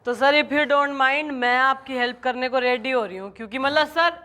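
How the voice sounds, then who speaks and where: A woman's voice: high voice, moderate pace, pushed and bright. A bossy lady officer. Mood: helpful. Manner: mixes broken English into her speech. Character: bossy, no-nonsense female officer. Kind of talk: sitcom acting.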